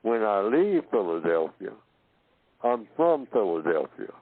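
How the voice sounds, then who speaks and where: A man from Oklahoma giving a slow philosophical talk, asking himself questions and answering them, and repeating phrases to build his point. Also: lowish voice, big pitch swings, no echo. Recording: tinny phone-line audio.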